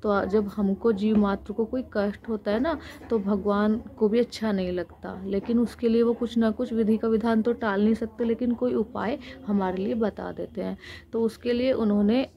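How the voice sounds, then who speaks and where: An Indian woman giving an explanatory Hindu religious discourse, speaking earnestly and unscripted with pauses, her throat a little sore. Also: fairly high pitch, fairly even intonation, a little mellow, dull audio. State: sore throat with frequent throat clearing.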